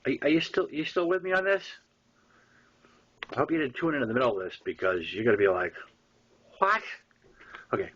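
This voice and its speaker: A man with a Boston accent reading his own story aloud in an informal way, with halting, emphatic repeats and wry asides. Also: medium pitch, fairly bright tone, slightly rough. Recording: dull lo-fi audio.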